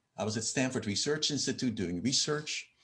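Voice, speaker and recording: A man's voice sits at medium pitch and sounds somewhat breathy. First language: not English. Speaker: university professor. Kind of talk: interview.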